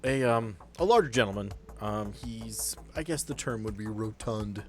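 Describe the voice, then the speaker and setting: A man's voice: lowish voice, lively intonation, normal speed, soft background music. A man running a tabletop roleplaying game, narrating in a casual, joking, conversational way. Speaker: game master.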